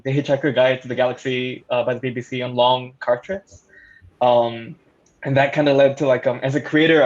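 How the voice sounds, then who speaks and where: Man on a slightly dull, lo-fi mic. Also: medium pitch. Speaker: panelist, audio drama creator. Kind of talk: casual panel chat.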